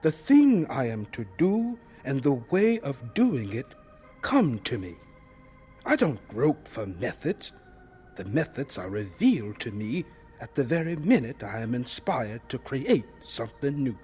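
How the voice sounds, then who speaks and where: An actor playing a humble, devout elderly Black scientist in a radio drama. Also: male voice, mid-range voice, sing-song, a little slow, dark tone, soft background music. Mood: solemn, fervent.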